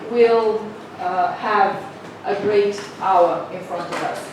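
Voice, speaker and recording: A guest lecturer from northern Slovenia gives a summer seminar lecture in English with a mid-range voice, unhurried and inviting, full of filler sounds, and she poses questions to the audience. The room is very echoey, the mic is far away, and a steady hiss runs underneath.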